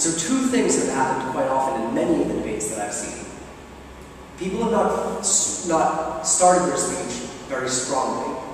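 Over light background noise and strong room echo, a man speaks at a moderate pace with a fairly high pitch and very wide pitch swings. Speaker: debate coach. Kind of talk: lecture. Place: classroom. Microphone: camera far.

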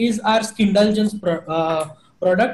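There is audible room echo around this man's voice, which shows ordinary pitch variation. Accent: Indian. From India. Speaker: company representative. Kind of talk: online business discussion. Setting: video call. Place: home room. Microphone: webcam.

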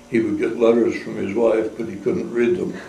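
A man with an American accent and fairly even intonation, with audible room echo and light background noise. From US Midwest. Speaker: war veteran. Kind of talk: oral history interview. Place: home room.

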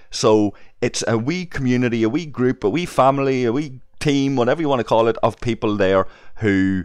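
A man with an Irish accent talks with lively intonation. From Ireland. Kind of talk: interview answer.

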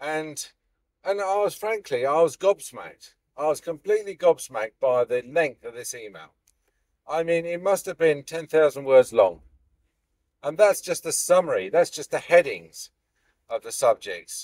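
A man speaks with big swings in loudness and long, frequent pauses. The sound is dry with no echo. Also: moderate pace, quiet background. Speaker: driver vlogger. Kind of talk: casual vlog chat. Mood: indignant, incredulous. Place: car. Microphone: camera far.

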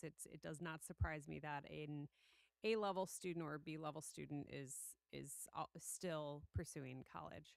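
In a Wisconsin accent, a woman with a very deep, low pitch speaks at a moderate pace in a dry, close sound with no echo. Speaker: school board member. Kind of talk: public meeting discussion. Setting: school board meeting. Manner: halting, with many fillers.

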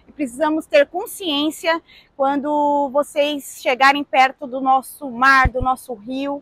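A woman speaks at a fairly slow pace in a high pitch, her voice dry with no echo against a quiet background. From Itanhaém, São Paulo coast, Brazil; São Paulo, Brazil. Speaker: professional surfer; interviewee. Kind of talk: interview. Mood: earnest, calm. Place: beach. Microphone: lapel.

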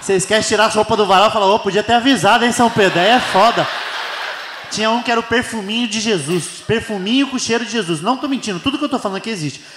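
Talking at a very fast pace, a man with a high pitch and ordinary pitch variation is heard with audible room echo and light background noise. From Brazil. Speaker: comedian. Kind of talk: stand-up. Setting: stage with audience. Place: stage. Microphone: handheld.

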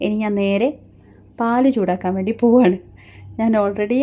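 A woman of medium pitch speaks in a dark, mellow tone with fairly even intonation. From Kerala, Kasaragod. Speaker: homemaker vlogger. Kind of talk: casual vlog narration.

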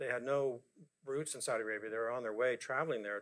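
Bright, sharp male voice with an American accent. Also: quiet background. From New Jersey. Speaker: guest diplomat. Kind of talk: public talk and Q&A. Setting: event space with live audience. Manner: halting with fillers. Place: hall.

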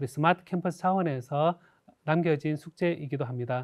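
Ordinary pitch variation colors a man's fairly high voice, set against a quiet background. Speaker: university IT director; university lecturer. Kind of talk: lecture. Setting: studio.

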